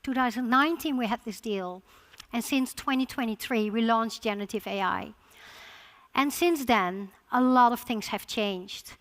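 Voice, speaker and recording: A Dutch woman with a slightly high, somewhat bright voice gives a conference presentation in a Dutch accent. Her delivery is halting, full of restarts and repeated words.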